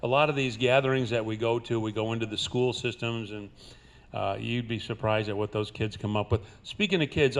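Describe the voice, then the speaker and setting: An older man with a folksy cowboy twang, performing as a cowboy poet for a live audience, with drawn-out dramatic phrasing. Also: medium pitch. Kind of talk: live cowboy poetry recital with folksy banter. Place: live before an audience at a senior center.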